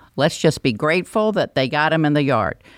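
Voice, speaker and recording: In a very clean recording with a silent background and a dry, close sound with no echo, a woman with a Southern US accent and a very deep, low pitch talks at a fairly quick pace with lively intonation. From North Carolina. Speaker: podcast host, education expert. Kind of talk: interview podcast.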